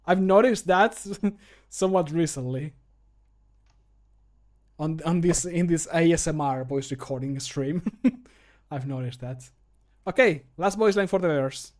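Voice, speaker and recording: With a fairly high, darkish voice, a thirtysomething streamer takes his time, leaving long pauses as he chats on a casual livestream. He's a hobby voice actor broadcasting from a small home room through a close desk mic, jokey and self-deprecating, with playful sound words as he works.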